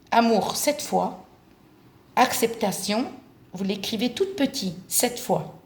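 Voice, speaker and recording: This woman has a fairly high pitch and lively intonation, with an Algerian accent. She speaks at a very slow pace. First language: Arabic (speaking French). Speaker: spiritual ritual instructor. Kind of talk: tutorial. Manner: hesitant, many fillers; casual.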